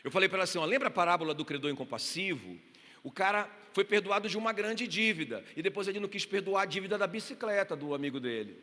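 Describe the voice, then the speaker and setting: A man's voice: high-pitched, expressive, quick pace, bright, forceful tone. A man with a Brazilian Portuguese accent preaching a sermon in church, passionate and full of told stories with acted-out quotes. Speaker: pastor. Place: church hall. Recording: reverberant church hall.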